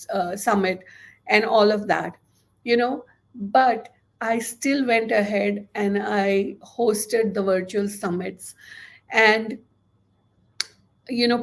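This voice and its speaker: A middle-aged woman with a strong Indian accent, pitching her online course with eager encouragement on a webcam in a small room. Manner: enthusiastic and encouraging, gesturing with both hands. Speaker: course host. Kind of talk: webinar sales pitch. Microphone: webcam at desk.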